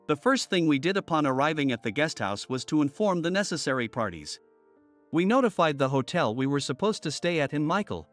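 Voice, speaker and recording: Lively-pitched male story narrator. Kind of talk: first-person story narration. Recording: soft music bed under voice.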